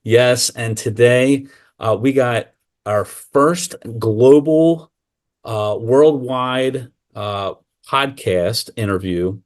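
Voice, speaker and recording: A man's voice: mid-range voice, extremely slow. A man from Maryland hosting a local podcast, talking casually with many fillers and restarts. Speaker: podcast host.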